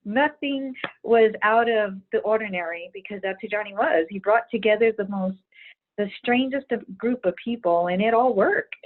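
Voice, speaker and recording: A woman's voice: medium pitch, normal speed. A woman speaking earnestly and emphatically as a guest in an interview. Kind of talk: conversational interview. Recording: phone-like line with faint noise.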